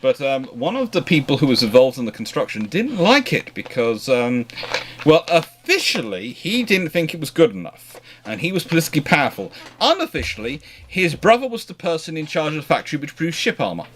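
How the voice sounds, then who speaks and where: A man hosting an informal history question-and-answer chat, talking in a discursive, halting way and often rephrasing mid-sentence. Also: fairly high pitch, very animated, a little hiss or hum. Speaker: naval history livestream host answering questions.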